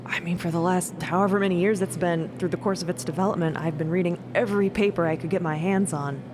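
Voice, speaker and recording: A woman's voice: on the low side, steady tone, quick pace, background noise, lightly acted. Woman playing an earnest, wistful male scientist. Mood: moved, reflective.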